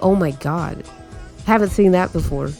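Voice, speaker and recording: A woman talks in an angry tone with lively intonation. Music plays in the background. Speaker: artist and animator. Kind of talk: casual talk to camera. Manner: angry ranting.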